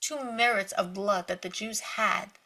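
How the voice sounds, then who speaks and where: A woman giving a spiritual Torah lecture, telling stories with lively emphasis, repeating words and laughing lightly between points. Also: mid-range voice, measured pace, poor audio. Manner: animated storytelling with emphatic repetition. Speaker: Torah teacher.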